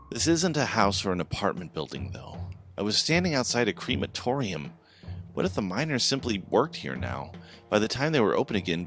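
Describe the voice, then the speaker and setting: Deep-voiced man narrating a horror tale. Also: fairly bright tone, slight background noise. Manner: dramatic first-person storytelling. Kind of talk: scripted horror story narration.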